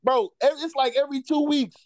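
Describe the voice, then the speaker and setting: A man's voice: very high voice, a little fast, no echo. A man with an African American accent chatting casually about sports as a co-host, opinionated, emphatic and slangy with some profanity.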